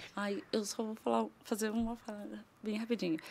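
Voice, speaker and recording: A woman with an unremarkable speaking voice talks at a moderate pace with ordinary pitch variation in a very clean recording with a silent background. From southern Brazil, Porto Alegre. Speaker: gastronomy professor. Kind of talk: podcast interview.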